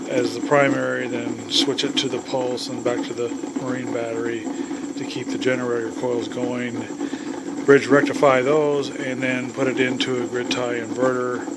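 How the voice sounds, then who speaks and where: Loud background noise behind a man speaking at a moderate pace. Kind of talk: casual project explanation. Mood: pleased, relaxed. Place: garage. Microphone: phone near.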